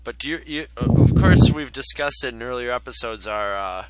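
A middle-aged man co-hosting a podcast, reminiscing in a relaxed conversational way. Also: medium pitch, normal speed, heavy background noise. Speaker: podcast co-host. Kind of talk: casual chat.

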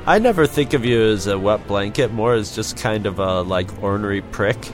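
Rambling male podcast co-host, faint music behind. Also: on the low side. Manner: rambling, halting. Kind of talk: casual chat.

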